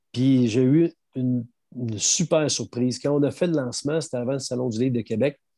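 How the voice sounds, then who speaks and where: Dry and close with no echo, a man's voice has a medium pitch, fairly even intonation and a dark, mellow tone. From Quebec, Mauricie. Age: 50s. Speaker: sports journalist. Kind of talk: casual interview.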